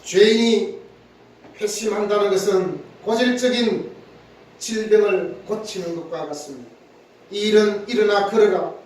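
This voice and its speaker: Inside a church sanctuary, a pastor delivers an earnest sermon in a high, unhurried voice, frequently repeating words and acting out quotes. The recording is echoey, with the mic placed at a distance in the church hall.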